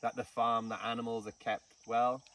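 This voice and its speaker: Out in the bush, a snake farm curator from Kenya chats through his story in a relaxed interview full of ums. His mid-range voice is level and fairly bright at a moderate pace, and the distant microphone catches faint insects in the background.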